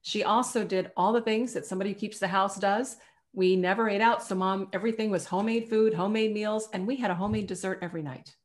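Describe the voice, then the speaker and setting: Animated woman telling stories on a panel. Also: mid-range voice, fast talker. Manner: animated storyteller, acts out quoted voices. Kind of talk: panel discussion storytelling.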